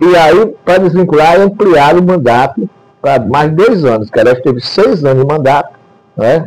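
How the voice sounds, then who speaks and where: At a moderate pace, a man talks with a fairly high pitch and lively intonation over noticeable background noise. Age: 60s. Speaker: political commentator. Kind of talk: interview. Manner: halting, many repetitions.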